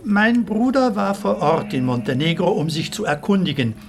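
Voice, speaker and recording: A man's voice: sits high, animated, moderate pace, background noise. An actor playing a proud retired plasterer in his seventies in a radio play, telling his family's war story earnestly. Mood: somber. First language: Italian.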